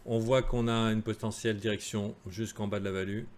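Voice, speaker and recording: A man's voice: lowish voice, flat delivery, fairly quick, a little mellow, slight background noise. A man giving a live crypto chart analysis in a casual, joking way, with many fillers and asides to viewers. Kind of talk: live-streamed market analysis.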